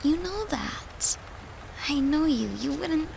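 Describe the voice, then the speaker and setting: A woman playing a gentle, devoted girlfriend who soothes her lover in an intimate comfort roleplay, speaking tenderly and reassuringly in a soft, hushed voice. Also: high-pitched, expressive, slow, vocal fry, slight background noise, heavily acted. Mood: gentle, sympathetic.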